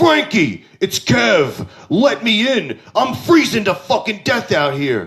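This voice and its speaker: Putting on a character voice, a man talks high in pitch at a fairly slow pace, swinging his pitch very widely. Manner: boisterous, loud.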